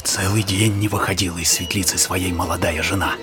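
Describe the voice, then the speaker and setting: A man's voice: sits low, steady tone, a little fast, loud music behind the voice. A young man in a radio play, telling his sweetheart an old tale in a tender, teasing way. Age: young adult.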